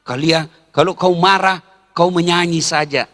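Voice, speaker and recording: A man's voice: on the high side, fairly even intonation, unhurried, fairly bright tone, long reverb tail. A middle-aged male preacher, giving a joking sermon to a crowd and breaking into song.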